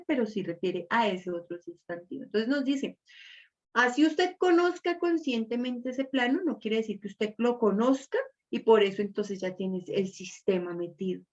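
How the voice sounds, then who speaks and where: A woman teaching an online reading class, explaining step by step and checking understanding with little question tags. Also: medium pitch. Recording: dull lo-fi audio.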